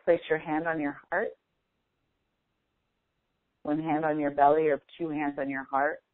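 A woman leading a guided meditation as a coach, speaking in a slow, deliberate, instructive manner with long pauses. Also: low-pitched, little pitch movement, no echo. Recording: phone-like thin, band-limited audio.

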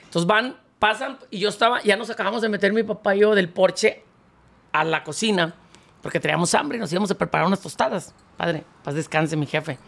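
Gravelly man telling stories. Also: high voice, fairly quick. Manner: animated anecdote-telling, slangy, acting out others' lines. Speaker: interview guest, band founder and accordionist. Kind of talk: casual storytelling interview.

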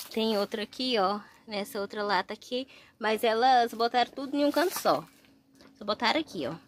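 A woman's voice: on the high side, a little hiss or hum. A woman vlogging outdoors on a farm, chatting away to her viewers as she films on a handheld phone. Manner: chatty, keeps addressing viewers directly. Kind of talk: casual farm vlog. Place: outdoor farmyard with animals.

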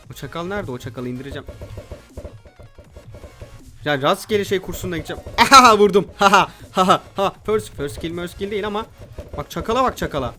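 A young man hosting his gaming channel, giving excitable let's play commentary and shouting at opponents. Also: fairly high pitch.

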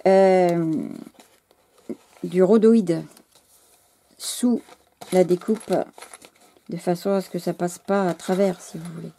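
French woman, gravelly low voice, mellow and husky, gushing, halting, losing her voice. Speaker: scrapbooking channel host. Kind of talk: casual unboxing chat to camera.

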